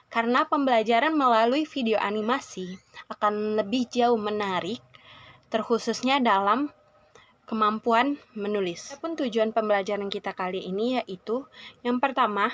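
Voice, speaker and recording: A young woman with an Indonesian accent speaks as a student teacher, her voice set a little high. She lays out the lesson aims in an orderly way, recorded dry and close with no room sound. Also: normal speed, fairly bright tone, dry recording. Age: young adult. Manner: orderly, lists lesson goals one by one. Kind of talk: micro-teaching lesson introduction.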